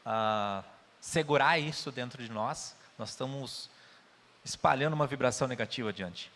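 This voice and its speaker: A man's voice: mid-range voice, moderate pace, fairly bright tone. Earnest Brazilian man in a reverberant hall. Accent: Brazilian Portuguese. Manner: earnest, tells anecdotes with quoted dialogue. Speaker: spiritist lecturer. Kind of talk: conversational spiritist talk.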